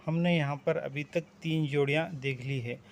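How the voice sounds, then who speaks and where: A man's voice: a little high, steady tone, creaky, slight background noise. A man with an Urdu-speaking South Asian accent teaching a language lesson, patiently repeating and stretching out vowel sounds as he explains them. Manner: patient, drawn-out vowel demonstrations. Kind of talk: slow spoken language lesson.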